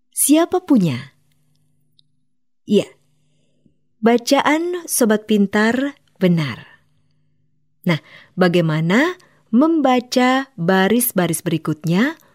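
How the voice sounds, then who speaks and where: Slow, melodic woman narrating a lesson. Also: on the high side. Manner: slow, clear, instructive. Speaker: educational program narrator. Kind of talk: scripted narration for children.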